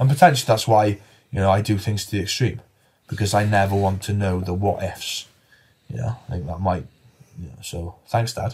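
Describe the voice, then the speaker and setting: A man with a Swansea accent talks at a fairly quick pace, somewhat breathy. His pitch is fairly low, with ordinary variation. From Wales, Swansea. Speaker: bodybuilder. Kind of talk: podcast interview.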